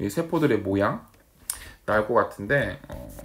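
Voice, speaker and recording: His intonation is lively. The man speaks at a fairly slow pace. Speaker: vocational high school teacher. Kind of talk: lecture. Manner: halting, with self-corrections.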